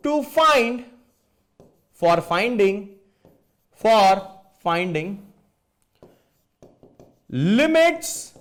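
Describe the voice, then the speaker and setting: High-voiced jokey maths teacher. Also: male voice. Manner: playful, jokey, calls students beta. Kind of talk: online exam-prep lecture.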